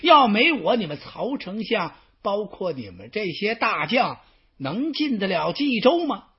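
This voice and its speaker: A man voicing an arrogant, self-important male advisor who taunts in a husky, sneering tone. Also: sits high, sing-song, unhurried, heavily acted. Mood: smug. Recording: dull lo-fi recording.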